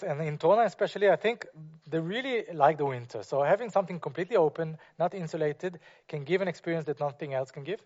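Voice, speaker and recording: A man with a slightly high voice talks through his architecture work in non-native English, pausing often on fillers and restarting his sentences. The sound is muffled, as if from a lo-fi recording of a lecture. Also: darkish tone. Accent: non-native English speaker. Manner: hesitant, many fillers and restarts. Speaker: architect giving a talk. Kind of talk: presentation to an audience.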